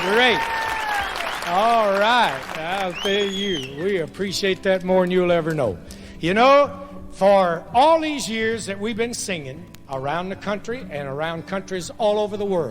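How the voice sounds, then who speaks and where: A man with a Southern US accent speaks at a high pitch with lively intonation. Music plays in the background. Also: fairly slow pace. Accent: Southern American. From Georgia, USA. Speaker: comedian. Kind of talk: live comedic storytelling monologue.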